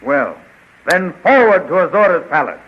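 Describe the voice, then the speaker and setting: A man's voice: a little high, big pitch swings, normal speed, faint music behind. An actor playing a bold, impulsive hero king with eager, declarative delivery in a 1930s radio serial. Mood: determined. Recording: muffled, noisy 1930s radio recording.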